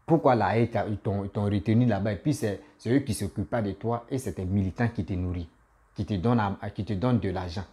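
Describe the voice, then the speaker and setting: Guy ranting on his vlog, low mellow voice, keeps repeating himself. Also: quick pace. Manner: animated, repetitive, laughs at himself. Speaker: comedian and YouTuber. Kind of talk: casual political commentary vlog.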